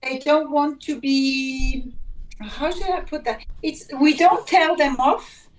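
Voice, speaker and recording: A woman from Switzerland with German as her first language speaks English in a high voice. She chats casually, hesitating and restarting as she looks for words. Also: takes it slowly, low-quality recording. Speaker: teacher. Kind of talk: casual call-in chat.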